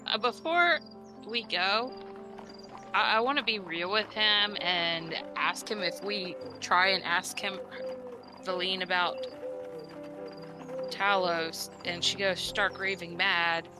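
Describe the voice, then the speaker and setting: A player speaking slowly and bluntly at a tabletop game, poking fun at their own lack of tact. Clear music plays in the background. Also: medium pitch. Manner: blunt, self-deprecating. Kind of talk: casual tabletop game chat.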